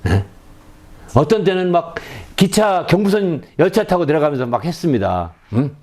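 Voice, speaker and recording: Man, middle-aged, pastor, revival sermon, chatty preaching, lively swooping pitch, loud high cries at peaks. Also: moderate pace. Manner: conversational preaching with frequent "예?" check-ins to the congregation; rises to loud high-pitched cries when acting out repentance.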